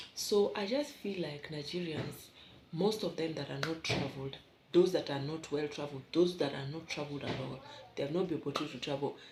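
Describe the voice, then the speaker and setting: With a Kenyan accent, a woman speaks at a fairly quick pace in a very deep, low pitch with ordinary pitch variation, over noticeable background noise. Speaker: vlogger. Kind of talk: casual vlog monologue.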